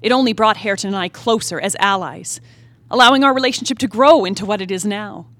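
Woman playing brooding young wife, mid-pitched, formal literary diction, dramatic pauses, stage drama. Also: a bit bright, dry recording, close to an everyday voice. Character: brooding young married woman haunted by her family's past. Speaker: actor. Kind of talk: theatrical play reading, dramatic monologue. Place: theatre stage, live reading.

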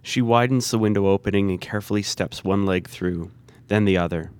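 Man, very low voice, scripted narration, stage directions reader, dry close sound. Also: a little fast, darkish tone, clean tone, no room sound.

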